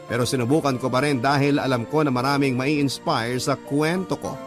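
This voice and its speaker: A man's voice: mid-range voice, steady tone, normal speed, over music, natural voice. A man playing a gay man in his twenties, telling his life story as a scripted, sentimental first-person letter. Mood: earnest, chatty.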